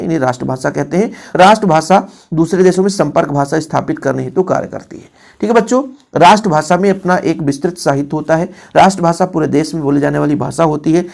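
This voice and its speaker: A man's voice: sits high, gravelly. A man teaching an exam-prep grammar lesson to students, explaining by working through examples again and again and hitting key words with extra stress. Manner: explains by repeating examples, calls students "बच्चों".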